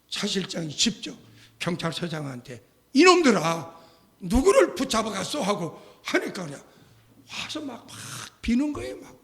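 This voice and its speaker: An older man preaching a sermon as a pastor, telling a story with lively acted-out dialogue and sudden loud outbursts. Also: high-pitched. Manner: animated storytelling, acting out quoted voices, shouting at climaxes.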